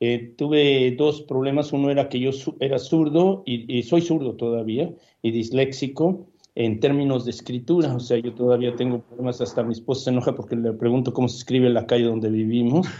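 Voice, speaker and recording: A man's ordinary speaking voice at a moderate pace, with ordinary pitch variation. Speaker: physician and researcher. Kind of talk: interview.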